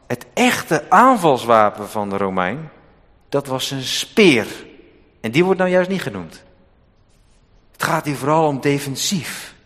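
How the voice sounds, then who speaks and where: Preacher in a reverberant church. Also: male voice. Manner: emphatic preaching with dramatic swings in pitch and loudness. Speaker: pastor. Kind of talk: sermon. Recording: long hall reverb.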